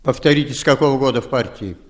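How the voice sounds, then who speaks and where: An actor playing a commanding male spy chief who speaks in a smooth, controlled, condescending way. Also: mid-range voice, quick pace, natural voice. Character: cool, commanding male spymaster boss.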